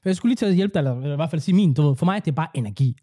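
Husky young man chatting on a podcast. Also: fairly high pitch. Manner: animated, laughs often, mixes in English phrases. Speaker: podcast co-host. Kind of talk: casual chat.

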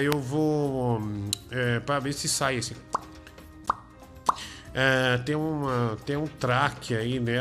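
A man's voice: medium pitch, fairly bright tone. A man hosting a casual live show, joking and teasing. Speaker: host. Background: music playing.

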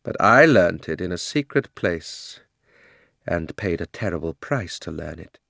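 A man's voice: deep voice, animated, a little slow, creaky, a bit bright, no echo, clean studio sound, heavily acted. A man voicing a proud, cruel and haughty queen of enormous height, speaking in an imperious, declamatory way.

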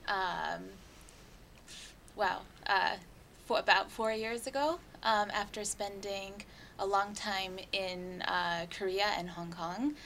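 A woman from the United States introducing herself on a panel, hesitant with many pauses. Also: mid-range voice, fairly bright tone, a little hiss or hum. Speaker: panel guest.

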